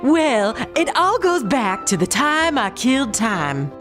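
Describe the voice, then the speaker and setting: A woman voicing an odd, rude, whimsical man, a hatter in a children's storybook, with a deliberate, dotty manner. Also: a little high, very animated, music in the background.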